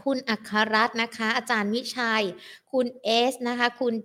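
Young female live-stream finance host, a touch hoarse, higher-pitched, chatty and courteous. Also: fairly even intonation, normal speed. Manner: polite, chatty, peppered with soft sentence particles. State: slightly hoarse. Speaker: host of a stock market show. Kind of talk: live-stream show wrap-up and viewer greetings.

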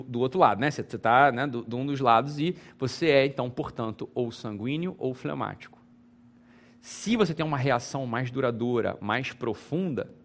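A Brazilian man giving an informal spoken lecture, emphatic and repetitive, often checking with his listeners through rhetorical questions. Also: medium pitch. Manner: repeats phrases, restarts. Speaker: teacher.

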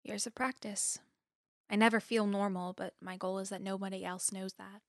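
A woman's voice: mid-range voice, level tone, normal speed, no echo, natural voice. Woman acting as young female student, guarded, dryly witty, anxious underneath, dry close recording, audio drama.

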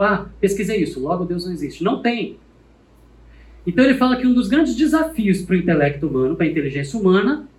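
A man teaching a lesson in a church classroom, animated and asking the class questions. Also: sits high, reverberant, low-quality recording.

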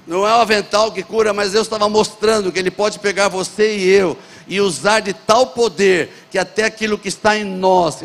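A man's voice: sits high, gravelly. A Brazilian man preaching an emphatic Pentecostal sermon, repeating phrases and calling out to his congregation. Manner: addresses congregation directly. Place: church hall. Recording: long hall reverb.

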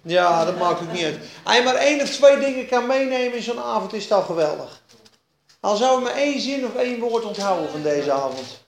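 A man preaching an evening sermon with emphasis, repeating key phrases and dropping to quiet asides. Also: high-pitched, lively intonation, brisk, creaky. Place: evening church meeting. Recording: echoey hall, faint background noise.

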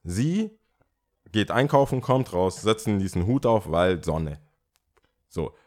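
A man's voice: sits low, slow pace. A young man chatting casually, telling stories with slang and frequent laughter. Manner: animated storyteller, slangy, laughs often. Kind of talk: casual chat.

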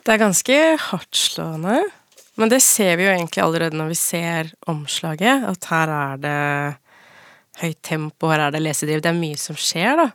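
A woman interviewer talks about a book in a soft, conversational tone. Her voice sits slightly low and the sound is dry and close. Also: animated, no room sound.

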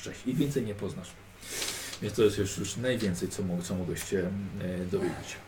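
Patient game master, set far from mic. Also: male voice, deep voice, normal speed. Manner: patient, instructive, drill-like repetition. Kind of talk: narrating a tabletop game in character. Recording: distant mic with background noise.

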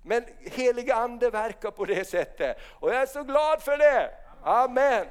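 A man with a high voice that is smooth and resonant preaches a charismatic sermon. He moves between calm Bible reading and fervent, rising calls of hallelujah. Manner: rises to fervent shouting of hallelujahs. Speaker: pastor.

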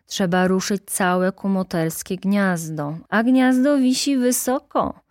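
A woman reading an audiobook, voicing a gruff male security chief who mutters his remarks. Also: mid-range voice, takes it slowly, darkish tone, no room sound, studio quality, close to an everyday voice. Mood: grim.

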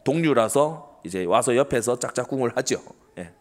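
At a normal speed and with lively intonation, a middle-aged man with a medium-pitched voice preaches to his congregation on Sunday. The pastor is earnest and emphatic, frequently asking rhetorical questions only to answer them himself.

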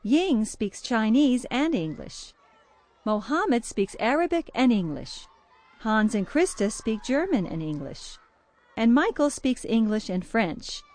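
An actress playing a friendly, chatty child care worker who answers a reporter's questions. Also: female voice, on the high side, big pitch swings, slow pace, darkish tone. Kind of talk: scripted interview answers.

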